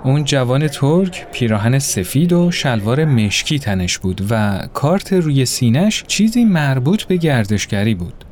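A man narrating a story in an expressive, acted-out way. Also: mid-range voice, hardly any pauses. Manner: expressive, voices characters.

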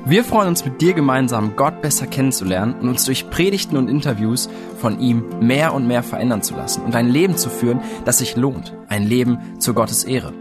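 A man delivers a scripted podcast intro as an announcer. His voice is of medium pitch, with plucked guitar music clearly playing behind it. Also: expressive, fairly quick, hardly any pauses.

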